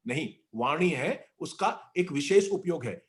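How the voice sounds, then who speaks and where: A man speaking as a guest in a discussion, giving a measured, teacherly talk and reciting verses and couplets along the way. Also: fairly high pitch, lively intonation. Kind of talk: didactic talk on the art of speaking.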